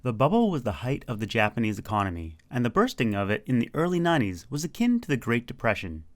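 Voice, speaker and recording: A man hosting a documentary-style interview show, narrating clearly and asking questions. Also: mid-range voice, very animated, quick pace. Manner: clear, explanatory, conversational. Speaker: host and interviewer.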